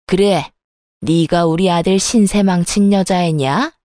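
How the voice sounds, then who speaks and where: A sharp-tongued middle-aged mother-in-law, as a woman narrator reads her, hurls accusations with open contempt. The voice is mellow and soft-edged, and the recording is close and completely dry. The line reads like a storybook audio drama. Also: lowish voice, measured pace, dry recording, close to an everyday voice. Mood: contemptuous.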